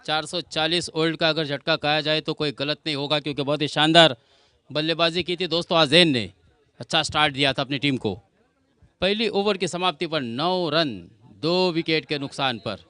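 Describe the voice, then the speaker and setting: A man's voice: fairly high pitch, normal speed, pushed and bright, clear, resonant tone, no echo. A man giving live cricket commentary, explaining the play and addressing viewers as friends.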